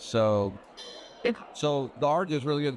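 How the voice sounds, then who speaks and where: Noticeable noise fills the background. A man talks over it. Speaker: board game publisher manager. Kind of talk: product demo interview. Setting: trade fair booth.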